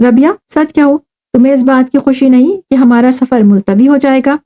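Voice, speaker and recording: A woman's voice: high-pitched, steady tone, mellow, close to an everyday voice. A woman reading a teasing young noblewoman. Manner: teasing, confiding.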